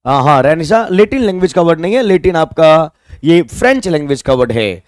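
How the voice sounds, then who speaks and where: Man, Indian accent, high voice, lively rising and falling pitch, live online class teacher. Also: fairly quick, no echo, clean studio sound. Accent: Indian, Hindi-speaking. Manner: mixes Hindi and English, asks viewers to comment answers; spells words letter by letter. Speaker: English teacher.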